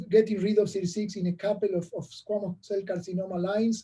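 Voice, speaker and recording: A man speaks in a high pitch with a dark, mellow tone. His intonation is monotone and flat. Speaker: professor of medicine. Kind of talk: scientific lecture. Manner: halting, with many fillers.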